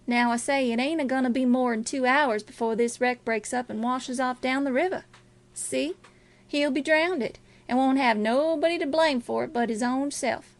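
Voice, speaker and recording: Casting: cool male criminal schemer female reader, high register, deliberate rustic dialect, audiobook villain. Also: lightly acted. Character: Packard, cool calculating male river criminal.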